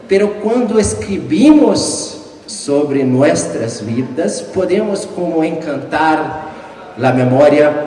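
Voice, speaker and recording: A man in his forties, a native Portuguese speaker from Brazil, presenting his book at a live panel, halting and joking with frequent restarts and chuckles. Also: fairly high pitch, warm tone. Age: 40s. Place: large hall with long reverb. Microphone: distant from the mic. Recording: echoey hall, far from mic.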